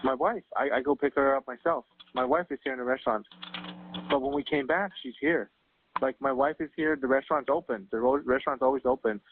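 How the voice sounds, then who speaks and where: A man making an emergency call over the phone, halting and flustered, repeating himself as he explains. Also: mid-range voice, expressive. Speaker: emergency caller, father. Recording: noisy, tinny phone line recording.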